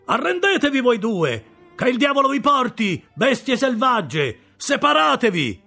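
A man's voice: extremely high pitch, very animated, unhurried, gravelly, bright, forceful tone, soft background music, voice pushed up, exaggerated voice. A man voicing a decisive male army sergeant who barks orders while out of breath. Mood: barking orders.

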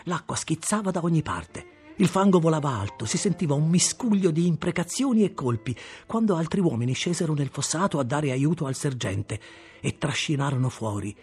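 Gravelly, expressive male storyteller. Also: medium pitch. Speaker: audiobook narrator. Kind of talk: scripted narration.

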